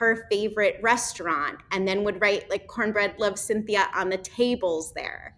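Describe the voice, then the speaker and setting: This is a normal speaking voice with an American accent. It moves at a fairly slow pace with ordinary pitch variation. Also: woman. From New Jersey. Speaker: graffiti artist and university employee. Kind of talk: casual chat. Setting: at her workplace.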